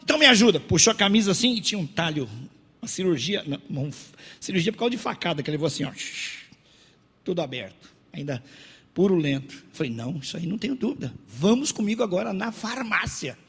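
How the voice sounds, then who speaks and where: A man preaching a sermon as pastor, telling stories in an animated way and acting out the people he quotes. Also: high voice, fast, breathy edge. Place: church sanctuary. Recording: long church reverb.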